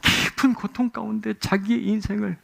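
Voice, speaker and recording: A man's voice: sits high, flat delivery, normal speed, gravelly, fairly bright tone. A man preaching a sermon as pastor, telling stories and acting out the voices of people in them. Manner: storytelling, acting out voices in quotes. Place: church sanctuary.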